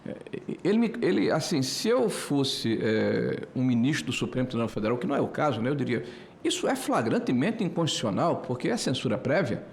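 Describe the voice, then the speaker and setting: A man in his sixties giving a committee floor speech, hesitant with many filler pauses, building to emphatic indignation. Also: medium pitch, sing-song, vocal fry, a little hiss or hum. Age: 60s. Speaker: senator. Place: senate committee room.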